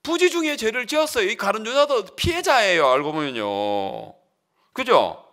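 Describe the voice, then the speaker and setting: A man's voice: high voice, expressive, moderate pace, pushed and bright. A man pastor preaching a sermon, asking the congregation questions and acting out the quotes he reads. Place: church.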